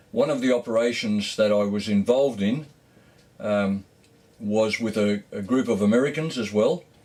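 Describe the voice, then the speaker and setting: A man at a medium pitch with an Australian accent, moderate pace and ordinary pitch variation. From Australia (born in Scotland, moved as toddler). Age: 60s. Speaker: navy veteran. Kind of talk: interview. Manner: halting, with many fillers.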